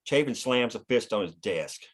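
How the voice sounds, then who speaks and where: A man's voice: mid-range voice, expressive, moderate pace. A man reading scripted stage directions as the narrator of a screenplay table read.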